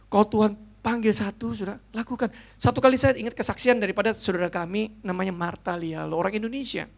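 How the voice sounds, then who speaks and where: A man's voice: high voice, vocal fry. A male pastor preaching a sermon emphatically, switching between languages and often addressing his listeners directly. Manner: emphatic, mixes English phrases into his talk, often addresses listeners as "saudara".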